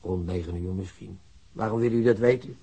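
An elderly working man in a radio play. His voice sits low and husky. He talks plainly, loyal to his son, defensive and worn down by disillusion. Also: fairly quick, warm tone, full character voice. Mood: guarded. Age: older. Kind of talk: naturalistic radio drama acting.

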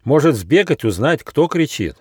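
Eager little storybook squirrel, high and lively, voiced by a man. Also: normal speed, husky, no room sound, clean studio sound. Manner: high, excited, exclaiming. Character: excitable young squirrel Ryzh.

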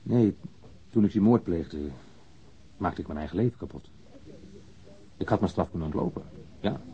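A man's voice: deep voice, moderate pace, dark tone, close to an everyday voice. An actor in a radio drama playing a subdued, guilt-ridden man who speaks hesitantly and with reserve. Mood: regretful. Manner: hesitant, reserved, brief replies. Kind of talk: naturalistic Dutch radio drama acting. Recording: dull, band-limited old radio recording.

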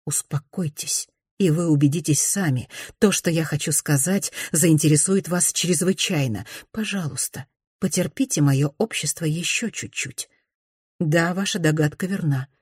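A woman voicing a calm, firm young woman. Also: sits low, breathy edge, no room sound, clean studio sound. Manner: quiet, measured, restrained.

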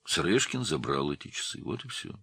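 A man reading a calm old jeweler in an audiobook, speaking slowly and quietly with sly dignity. The voice is extremely deep, gravelly and husky, with a tense edge. The sound is dry and close. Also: dry recording, heavily acted. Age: 70s.

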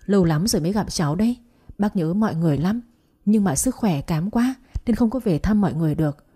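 A woman's voice: fairly low pitch, expressive, fast, dark tone, slightly rough. Woman voicing a tearful elderly mother. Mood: tearful, warm. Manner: emotional, tearful pleading.

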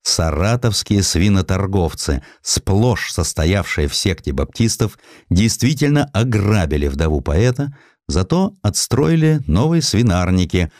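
A man with a low voice reads scripted historical narration. His delivery is highly expressive, with deliberate pauses and shifting emphasis, and the sound is close and dry. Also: no room sound. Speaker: audiobook narrator.

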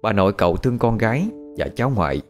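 Man narrating a horror story, low voice, lively intonation, faint music behind. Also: fast talker. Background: faint background music.

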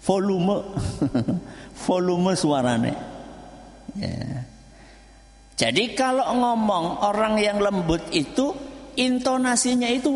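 A man's voice: high-pitched, vocal fry. A man with a Javanese accent giving an Islamic lecture, asking the audience questions and waiting for their answers. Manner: lively call-and-response with audience. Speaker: preacher. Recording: echoey hall.

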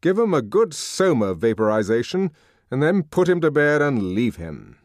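A man voicing a powerful older controller who lectures in a measured, sardonic way. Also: mid-range voice, very animated, dry recording, clean studio sound, voice pushed up, lightly acted.

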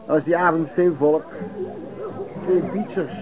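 Man playing grumbling peddler, fairly high voice, Netherlands Dutch accent, radio-play storytelling, dull old recording. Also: fairly even intonation, unhurried, crowd noise, natural voice. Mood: wry, wary. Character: wary, self-reliant travelling copperware peddler, grumbling storyteller. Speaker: actor and narrator in a radio play. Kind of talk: radio drama, first-person narration and dialogue.

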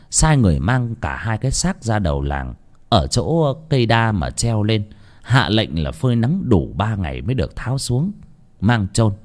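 A male storyteller narrating a dark folk tale in a grave, emphatic manner. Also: fairly low pitch.

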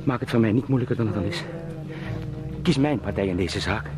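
An actor in a radio drama playing an anxious travelling salesman turned beetle, pleading and eager to please in halting, formally polite speech. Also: fairly low pitch, music in the background, close to an everyday voice. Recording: clearly noisy radio play sound.

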